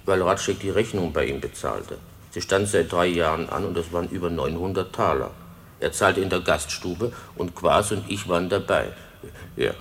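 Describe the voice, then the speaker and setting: Deep raspy man as a careful village witness, bit halting, respectful, radio play. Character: hesitant, deferential village witness recounting an evening. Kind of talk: German radio play acting.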